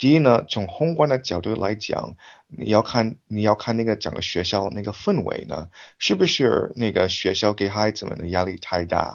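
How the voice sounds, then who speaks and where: At a moderate pace, a man with a fairly low pitch speaks with lively intonation. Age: 40s. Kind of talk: personal reflection monologue. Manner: halting with many filler sounds.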